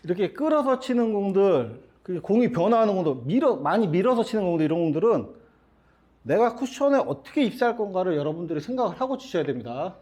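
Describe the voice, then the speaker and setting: Speaking fast and very animatedly, this middle-aged billiards instructor from South Korea has a high, slightly mellow voice. At the table, he breaks down every shot one step at a time while quizzing his students in a demonstration lesson.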